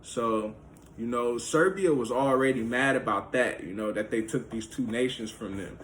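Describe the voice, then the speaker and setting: A man of middle pitch talks history off the cuff in an easy, rambling way. He leans hard on "like" and "you know" and keeps going with loose restarts. A faint hiss of noise sits under the voice. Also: normal speed, fairly bright tone, rough recording. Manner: loose, filler-heavy, with many "like" and "you know". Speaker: history video host. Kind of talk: casual explainer monologue.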